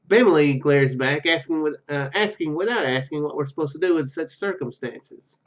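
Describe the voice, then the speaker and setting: A man's voice: fairly high pitch, normal speed, a bit bright. A man hosting a gaming video, reading game text aloud and commenting as he plays.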